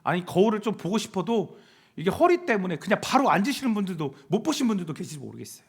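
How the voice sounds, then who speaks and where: A man's voice: high-pitched, sing-song, fast talker, husky. A man pastor preaching a sermon to senior church members, asking the congregation questions and acting out quoted speech. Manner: call-and-response questions, acts out quoted speech.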